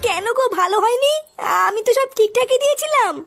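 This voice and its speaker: A woman's voice: extremely high pitch, animated, fast, a bit bright. A woman voicing an aggrieved, dramatic old grandmother in a comedy cartoon. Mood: weary, hurt. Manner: complaining, indignant. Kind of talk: comic cartoon dialogue. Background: faint music.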